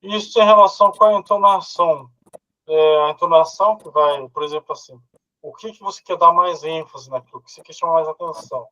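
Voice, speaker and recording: A man's voice: fairly high pitch, a little fast, sharp tone, no echo, lo-fi sound. A Brazilian man in a casual group discussion, thinking aloud with hesitant fillers and short laughs, heard over a video call. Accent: Brazilian Portuguese. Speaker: philosophy study group participant.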